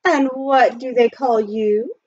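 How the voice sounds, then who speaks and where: A woman's voice: on the high side, slow, a little mellow, lo-fi sound. A woman voicing a genteel, joyful and teasing aunt with exclamatory manners in a storybook reading. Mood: teasing, delighted. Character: genteel adult aunt, joyful, teasing, firm-minded Boston lady.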